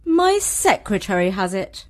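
Guy doing a snooty posh storybook lady, high voice, really drawn out, pompous and indignant. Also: sing-song. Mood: icy. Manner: pompous, drawn-out, emphatic delivery. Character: formidable haughty upper-class lady, coolly indignant.

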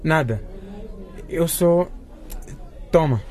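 A man's voice: on the high side, animated, very slow, a little mellow. A man playing an intense, prickly teenage schoolboy in a radio drama, curt and insistent. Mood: urgent, annoyed.

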